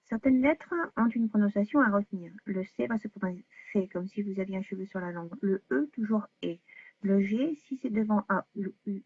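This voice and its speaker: Woman, language teacher, husky voice, dry narrowband recording. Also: mid-range voice, no echo. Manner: clear, deliberate, spells out sounds slowly. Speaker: Spanish teacher. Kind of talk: explaining pronunciation rules. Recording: dry, phone-like narrowband voice-over.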